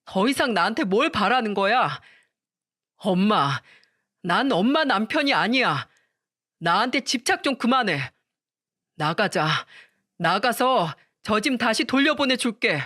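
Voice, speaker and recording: A woman's voice: mid-range voice, sing-song, a little slow, pauses often, fairly bright tone, dry recording. A worn-out grown son, as a woman narrator reads him, tired and exasperated in a storybook tale. The delivery is dry and close. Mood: weary. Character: weary adult son and husband, fed up.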